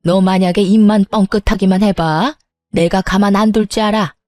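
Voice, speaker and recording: Woman doing a furious older mother-in-law, threatening, vicious, storybook, dark tone. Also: mid-range voice, fairly even intonation, moderate pace, no echo, soft background music, lightly acted. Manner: shouting threats.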